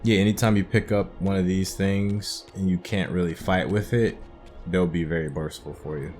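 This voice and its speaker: Low-voiced man musing through a game. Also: steady tone, moderate pace, a little mellow, soft background music. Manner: musing, thinking aloud. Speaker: gamer narrating a playthrough. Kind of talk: casual let's play commentary.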